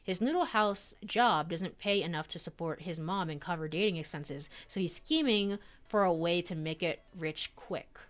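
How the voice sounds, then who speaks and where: A woman's voice: lowish voice, moderate pace, hardly any pauses. A woman streaming a visual novel, reading it aloud with casual, giggly commentary full of "like" and "um". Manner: chatty, giggly, lots of "like" and "um". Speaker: streamer and let's-player.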